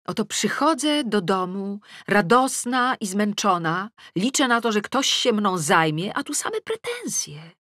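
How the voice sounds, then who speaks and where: Woman acting a touchy, indignant woman, raised pitch. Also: very animated, a little slow, hardly any pauses, fairly bright tone, no room sound, clean studio sound. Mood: self-pitying, hurt. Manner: emphatic, touchy. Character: indignant, self-pitying grown woman, quick to take offence.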